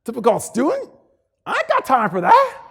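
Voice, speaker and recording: An American man acts out an exasperated, blunt job candidate with an American accent. The voice is pushed high and loud, swooping through a self-pitying, theatrical rant in a comic stage bit. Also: wildly swooping pitch, moderate pace, gravelly, husky, full character voice.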